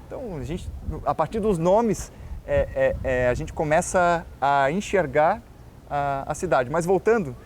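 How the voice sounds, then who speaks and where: Manezinho-accented man, high and earnest. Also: lively intonation, a little slow, slight background noise. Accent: Florianópolis manezinho accent. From Florianópolis, Brazil. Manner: earnest, explanatory, addresses the host by name. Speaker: tour guide and journalist guest. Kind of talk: casual interview talk.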